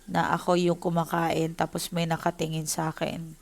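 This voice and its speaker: A woman gives a casual tarot reading to her viewers. Her voice sits a touch low, and she talks in an emotional, heartfelt way, switching between Tagalog and English as she speaks to them directly. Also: monotone, normal speed, gravelly. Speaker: tarot reader.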